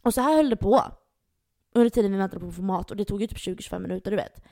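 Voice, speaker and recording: A young woman co-hosting a casual podcast chat, telling stories with plenty of swearing and lively retellings. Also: mid-range voice, creaky, no room sound, clean studio sound. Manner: storytelling, swearing, animated retellings. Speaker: podcast co-host.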